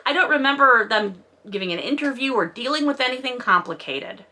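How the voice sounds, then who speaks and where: A woman's voice: a little high, animated, a little fast, pushed and bright. A woman giving a casual, comedic book recap with sarcastic, wry asides, in the manner of a video host.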